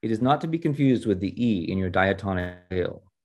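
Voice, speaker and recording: A man's voice: low voice, animated, brisk. A man reading a storybook as a wise, patient tribal teacher, speaking formally and instructively. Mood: solemn, explanatory.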